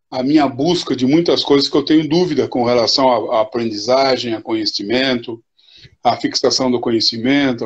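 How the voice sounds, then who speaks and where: Husky older coach on a muffled stream. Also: male voice, medium pitch. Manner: reflective, unhurried, with repeated "né?". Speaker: futsal coach, guest. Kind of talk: casual live interview chat.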